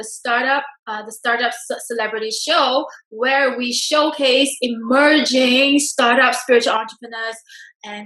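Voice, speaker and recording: The tone is upbeat, at a fairly slow pace. Loudness swings widely. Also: woman. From Singapore. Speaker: online show host. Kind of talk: interview host talk.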